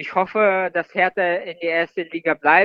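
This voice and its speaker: This man's voice sits high in pitch, and his intonation is monotone and flat. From Mongolia. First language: Mongolian (speaking German). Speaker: jockey. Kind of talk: interview. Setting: phone call.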